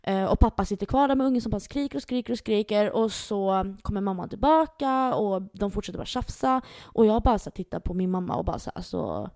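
A young woman co-hosting a casual podcast chat, telling stories with plenty of swearing and lively retellings. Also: medium pitch, few pauses, no room sound, clean studio sound. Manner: storytelling, swearing, animated retellings. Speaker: podcast co-host.

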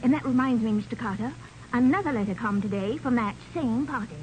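An actress playing a plain, chatty employee with colloquial, clipped speech in a 1940s radio crime drama. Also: female voice, a little high, a little fast, a little mellow, lightly acted. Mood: informative. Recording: faintly noisy old 1940s radio recording.

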